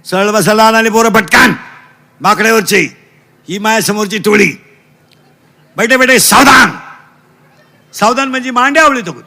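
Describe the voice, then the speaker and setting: A man with a Marathi accent leads a comic devotional sermon, calling out questions and drilling the children to answer loudly. His voice sits very high and cuts with a bright, edgy ring. A gravelly fry runs under his words. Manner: quizzes the crowd, drills children, mixes in broken English. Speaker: kirtan preacher. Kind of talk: comic devotional sermon with audience call-and-response. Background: crowd answering back.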